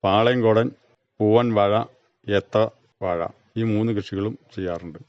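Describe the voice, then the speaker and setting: A man's voice: lowish voice, unhurried, clear, resonant tone, no room sound. A man, giving plain, brief, factual answers in an interview as a retired farmer. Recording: dull, muffled radio recording.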